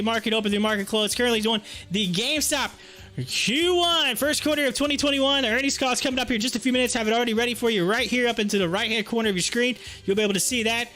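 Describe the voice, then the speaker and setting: A man with a very high-pitched, sharp voice hosts a livestream, giving casual commentary on stock charts. He chats informally and speaks straight to his viewers.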